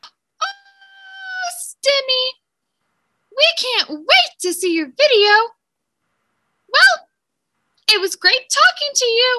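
In a cartoonish character voice with extremely high pitch, the speaker talks at a very slow pace, leaving long, frequent pauses. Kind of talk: kids' puppet show. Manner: upbeat, enthusiastic.

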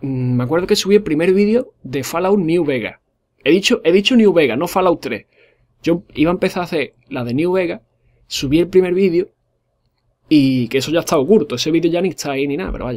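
This man's voice is high in pitch, with lively intonation and a fairly quick pace. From Spain. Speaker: gaming YouTuber. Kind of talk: Q&A monologue to viewers. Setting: home recording, reading viewer questions. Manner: casual, rambling.

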